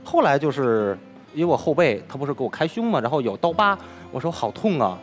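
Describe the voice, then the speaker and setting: A man, a crosstalk performer telling a personal story as an interview guest, with an animated delivery that acts out the dialogue. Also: medium pitch, a little fast, faint music behind. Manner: animated, retells dialogue with lively swings.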